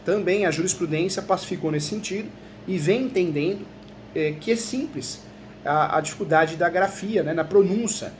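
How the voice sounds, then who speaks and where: A Brazilian man, a law professor, giving a conversational video lesson and often tagging his sentences with quick questions to the viewer. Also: high-pitched, a little hiss or hum. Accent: Brazilian Portuguese. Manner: chatty, peppers talk with tag questions.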